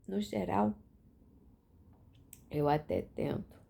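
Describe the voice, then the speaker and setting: A woman's voice: mid-range voice, drawn-out words, gravelly, husky. A young woman sharing a casual, chatty reflection with lots of fillers and restarts. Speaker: book reading vlogger.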